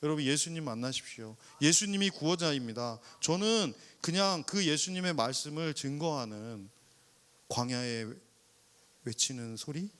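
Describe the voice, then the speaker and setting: Animated man preaching a lively sermon. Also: fairly high pitch, normal speed, clean tone. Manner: animated preaching with rhetorical questions and acted-out prayers. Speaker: pastor. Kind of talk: sermon to a young adults service. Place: church worship service.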